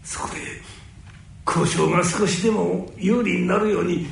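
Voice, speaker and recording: A man playing a gruff but caring older nori wholesaler who speaks in rough downtown slang. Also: sits high, moderate pace. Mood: explaining. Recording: very echoey room.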